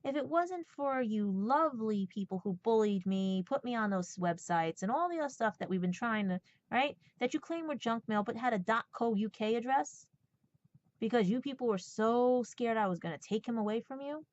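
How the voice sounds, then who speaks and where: Woman in her 40s ranting to her listeners, kinda high voice, blunt n sarcastic, muffled lofi audio. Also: expressive, moderate pace, no echo. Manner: blunt, sarcastic, swearing, repeats checks like "right?" and "okay?". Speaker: podcast host. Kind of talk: personal rant to listeners. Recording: dull, lo-fi sound.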